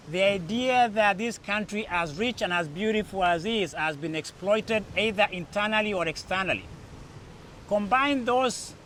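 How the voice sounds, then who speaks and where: A man's voice: sits high, fairly bright tone. A middle-aged man with a Kenyan accent hosting an informal commentary, speaking emphatically like a storyteller and repeating phrases for effect. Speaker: podcast host. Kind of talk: informal spoken commentary to camera. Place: outdoors in a natural setting. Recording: outdoor recording with background noise.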